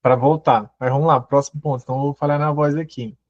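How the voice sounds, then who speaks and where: A man's voice: medium pitch, fairly even intonation, quick pace, a little mellow, dry recording. A man giving a motivational growth talk, asking the audience question after question. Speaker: personal growth speaker. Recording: dull, muffled audio.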